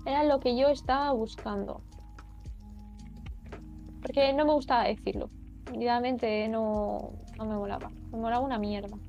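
A woman's voice: a little high, steady tone, mellow, dull audio, faint music behind. A young woman from Asturias, a streamer chatting frankly and casually while playing, swearing now and then. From Asturias, Spain. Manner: frank, talks fast when heated, swears casually. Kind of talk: casual chat while gaming.

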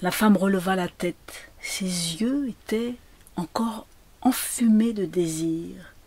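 Slow, hushed woman reading literary prose. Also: mid-range voice, slightly rough, no echo. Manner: slow, measured, hushed narration. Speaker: reader.

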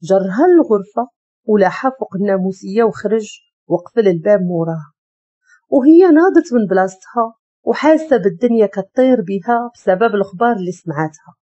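Husky Moroccan woman narrating a story. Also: mid-range voice, brisk, dull audio. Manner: expressive, dramatic storytelling.

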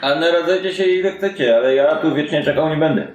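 A man voicing a gruff, impatient old sailor in a tabletop fantasy game, curt, grumbling and folksy. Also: fairly high pitch, quick pace, voice pushed up, natural voice. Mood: gruff, proud. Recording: roomy sound with music underneath.

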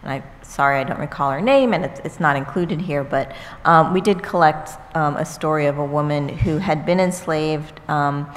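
Low voiced woman on a museum panel, careful and slow-ish, hall reverb. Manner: careful, measured, many fillers. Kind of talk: panel discussion. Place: auditorium stage before an audience. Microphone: table microphone. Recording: long hall reverb, faint ambience.

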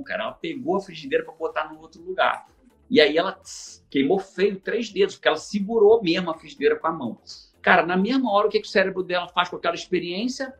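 A man with a Brazilian accent, a coach telling stories on a live stream, acting out dialogue and swearing casually. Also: high-pitched. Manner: animated storyteller who acts out quoted dialogue and swears casually. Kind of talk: energetic live-stream talk.

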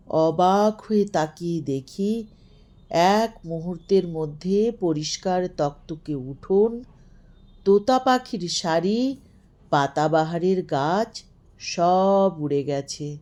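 A woman narrating a scripted story as an expressive storyteller. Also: lowish voice.

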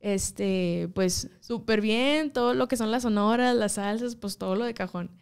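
A woman's voice: mid-range voice, a little slow, vocal fry, clean tone. A young woman from Mexico, chatting as an interview guest and telling stories with slang and frequent laughter. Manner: animated storytelling, laughs often, slangy. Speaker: guest singer. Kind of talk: casual interview chat.

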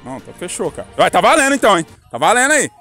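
A young Brazilian man with a fairly high voice excitedly narrates a casual football match outdoors. He shouts at the players, teases them, and plays referee, with faint music in the background. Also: rapid-fire. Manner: excitable, calls out to players, playful teasing. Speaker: host and match commentator. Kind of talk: casual live commentary of a street football game.

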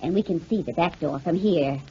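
Raspy, folksy detective's sidekick. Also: female voice, on the low side, brisk, mellow. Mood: chatty. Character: folksy, excitable, plain-spoken female sidekick. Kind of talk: 1940s radio acting. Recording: muffled 1940s radio recording.

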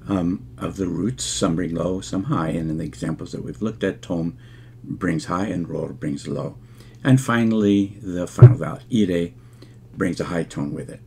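An older man giving a measured lecture over slides, explaining step by step with fillers and restarts. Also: sits low, creaky, dark tone, husky. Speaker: linguistics lecturer.

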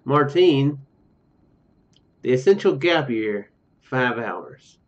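A young man gives casual let's play commentary, reading on-screen text aloud and drifting into joking asides. His mid-pitched voice moves up and down freely. The recording is a little dull, with music playing behind him. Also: animated, slow. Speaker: video game streamer. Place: small room at home, indoors. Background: game music.

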